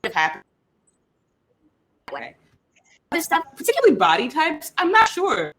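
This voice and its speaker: A woman answering casually as a panelist, in a thoughtful, halting way. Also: high voice, huge pitch swings, fairly bright tone. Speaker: panelist, audio drama creator.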